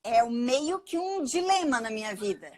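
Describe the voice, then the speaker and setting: A woman's voice: on the high side, big pitch swings, moderate pace. A woman from southern Santa Catarina hosting a casual live-stream interview, chatty and prone to digressions. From southern Santa Catarina, Brazil.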